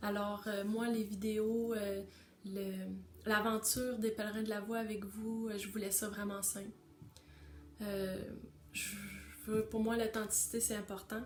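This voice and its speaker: A woman with an Abitibi Quebec accent speaks at a fairly high pitch, fairly slowly, in a monotone, flat intonation with long, frequent pauses. Music plays in the background, and the room echo is audible. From Quebec, Abitibi. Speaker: voice and sound healing guide. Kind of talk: spiritual workshop introduction. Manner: hesitant, stumbling.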